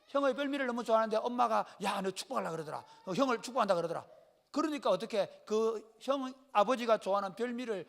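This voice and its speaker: A pastor with a Gyeongsang accent delivers a folksy sermon, joking with his congregation and calling on people by name. His voice sits high for a man and swings widely in pitch, with a bright, sharp edge. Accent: Gyeongsang Korean. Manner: lively storytelling, calls on listeners by name; colloquial, jokes with the congregation.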